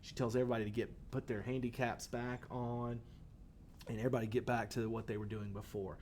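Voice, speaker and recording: A man's voice: medium pitch, flat delivery, fairly quick, a little mellow, a little hiss or hum. A male teacher giving a casual classroom lecture on a short story, talking in a conversational way with many fillers and restarts.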